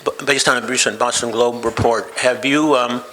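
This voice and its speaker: A man's voice: mid-range voice, fairly even intonation, moderate pace, a bit bright, rough recording. A man in the audience asking a wry, joking question at a public meeting. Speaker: audience member.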